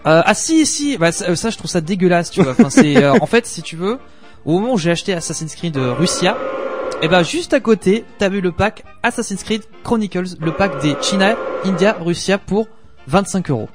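A man's voice: sits high, animated, moderate pace, music in the background. A man co-hosting a gaming podcast, talking in a rambling way with lots of hesitation. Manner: rambling, hesitant with many fillers. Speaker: podcast co-host. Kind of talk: casual gaming podcast chat.

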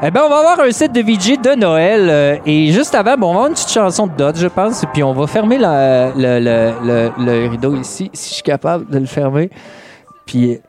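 A high-voiced man with a Québécois accent runs a live auction as emcee, joking his way through each lot. He stretches the bid calls out and swings his pitch all over the place, with faint music playing behind him. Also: animated, moderate pace, a little mellow. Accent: Québécois French. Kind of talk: live comedic auction calling.

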